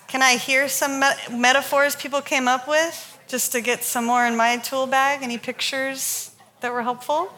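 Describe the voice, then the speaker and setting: A woman, a Christian counselor, teaching a live workshop in a conversational, animated way and telling stories from her practice. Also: on the high side. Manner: conversational, animated storytelling with frequent laughs.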